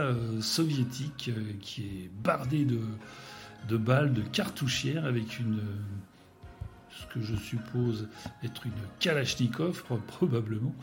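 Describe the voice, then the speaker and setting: A man with a Spanish accent giving a casual radio music chronicle in a playful, rambling way, hesitating often. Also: medium pitch.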